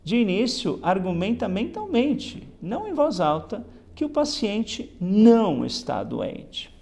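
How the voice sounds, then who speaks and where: Taking it slowly, a man explains a Bible lesson in a high voice whose pitch swoops wildly, with a creaky, slightly mellow quality. His approach is reflective: read a passage, explain it, and sprinkle in "né?" again and again.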